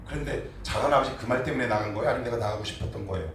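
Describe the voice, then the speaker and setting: A man preaching a sermon as pastor, animated, acting out quotes and asking the congregation questions. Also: fairly low pitch, very fast, slight background noise. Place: church sanctuary. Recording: echoey church hall, mic at a distance.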